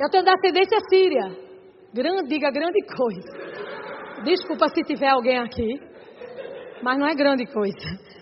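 A woman speaks at a high pitch and a fairly slow pace, with very wide pitch swings and long, frequent pauses, over noticeable background noise. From Northeast Brazil. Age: 50s. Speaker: preacher. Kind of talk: sermon. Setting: church.

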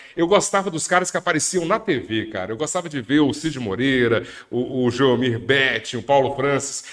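An unremarkable speaking voice from a man, with fairly high pitch, lively intonation and a moderate pace. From northern Minas Gerais, Brazil. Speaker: TV journalist. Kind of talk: casual chat.

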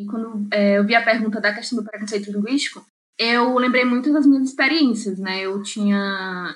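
A woman with a fairly high pitch speaks with fairly even intonation. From Piauí, Brazil. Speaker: podcaster. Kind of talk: casual chat.

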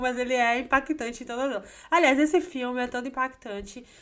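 Speaking at a fairly quick pace, a woman uses a high pitch with ordinary variation. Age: 20s. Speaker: podcast co-host. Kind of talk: casual chat.

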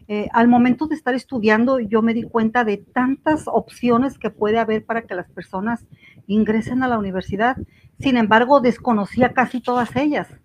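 A plain, everyday voice from a woman, fairly high-pitched, with fairly even intonation, a moderate pace, and a dry, close sound with no echo. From Mexico, Sinaloa (rural area near Culiacán). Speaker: education doctor, teacher and author. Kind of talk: interview about her life.

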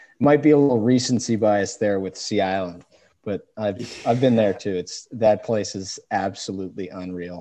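At a moderate pace, a man with a fairly low pitch and ordinary pitch variation talks in an ordinary speaking voice. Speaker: golf podcast guest. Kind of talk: casual chat.

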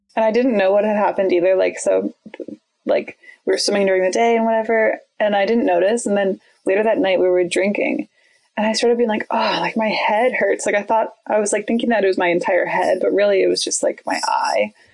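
With a Canadian accent, a woman speaks at a fairly quick pace and a very even loudness. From Saskatchewan, Canada. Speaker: stand-up comedian. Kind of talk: casual chat.

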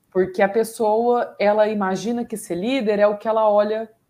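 In a dark, mellow tone, a woman speaks at a medium pitch and a fairly slow pace. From Brazil. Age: 40s. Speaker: podcast co-host, business partner. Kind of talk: casual chat.

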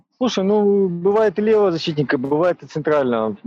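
Fairly quick delivery with lively intonation in an ordinary speaking voice. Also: man. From Russia, Urals (Nizhny Tagil). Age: 40s. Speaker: footballer. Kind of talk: casual interview. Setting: video call.

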